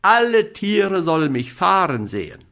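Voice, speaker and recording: A little storybook boy, demanding and never satisfied, shouting high and insistent, as a man puts him on. The voice leaps up and down with eager excitement. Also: measured pace, exaggerated voice.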